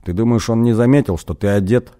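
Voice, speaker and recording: Guy doing husky sarcastic baroness lady, low dark voice, teasing tone. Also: a little fast, lightly acted. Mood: mocking. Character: sly husky female baroness, mocking.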